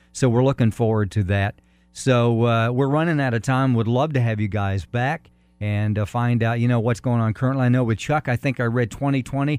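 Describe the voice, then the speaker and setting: Music in the background behind a man at medium pitch, fairly even intonation and very even loudness. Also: moderate pace. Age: 50s. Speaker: radio host. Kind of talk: casual radio interview. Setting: studio.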